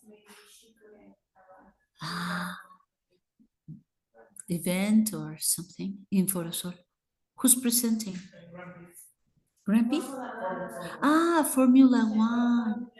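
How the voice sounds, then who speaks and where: With a fairly high, slightly mellow voice, a woman who has a Mexican Spanish accent patiently explains English grammar. Her bilingual lesson alternates between Spanish and English.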